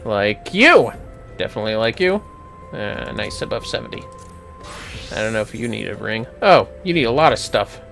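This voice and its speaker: Casual, animated game streamer, music behind. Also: medium pitch, normal speed, vocal fry. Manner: salty, swears casually, mutters to self. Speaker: livestreamer playing an online fantasy game. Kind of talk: casual gameplay commentary.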